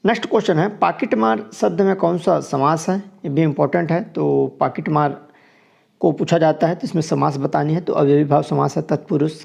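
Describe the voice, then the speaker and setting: Gravelly man teaching exam answers. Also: a little high, darkish tone. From Chhattisgarh, India. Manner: explains each answer step by step, repeating it. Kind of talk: exam question walkthrough lesson.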